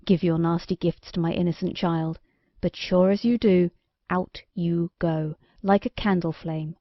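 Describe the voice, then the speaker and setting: A woman voicing a plain-spoken, firm king who lectures and reasons, a little lower than her own voice, in a storybook reading. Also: fairly even intonation, a little slow, no echo. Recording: dry, slightly dull recording.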